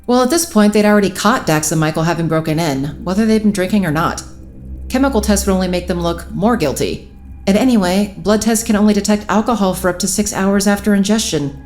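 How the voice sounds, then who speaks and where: An actress playing a sharp, earnest woman investigator in a naturalistic audio drama, anxious and indignant. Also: medium pitch, a little fast, slight background noise, close to an everyday voice. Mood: intent recollection.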